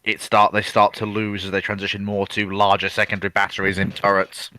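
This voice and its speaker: A man's voice: on the low side, monotone, fairly quick, bright, forceful tone, smooth. A man on a panel explaining technical points casually, restarting to refine what he says.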